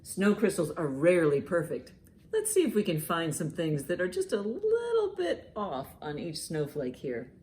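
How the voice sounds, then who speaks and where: A woman hosting a children's storytime, reading and explaining in simple, expressive language meant for young listeners. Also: lowish voice, moderate pace. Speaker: children's librarian, storytime host. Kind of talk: children's storytime, reading a picture book aloud and commenting.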